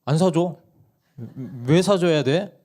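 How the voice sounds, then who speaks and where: A man's voice: fairly high pitch, slow pace, pitched above the performer's own voice. A man voicing his wife as a curt, firm mother who refuses to buy presents. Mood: blunt, firm. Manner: curt, firm, sharp retorts. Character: blunt no-nonsense mother refusing gifts.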